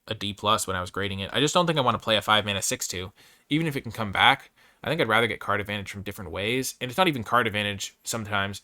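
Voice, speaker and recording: Male host, casual game review, very lively intonation, bright forceful tone, dry close sound. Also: fairly low pitch, no echo. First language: English. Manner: opinionated, thinks aloud, hedging and revising his grades. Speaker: host reviewing trading card game cards. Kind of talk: casual off-the-cuff card review commentary.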